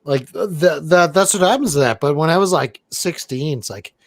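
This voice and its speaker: A man co-hosting a casual movie-review chat, rambling and deadpan, with casual swearing. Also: on the high side, moderate pace, no room sound. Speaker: podcast co-host.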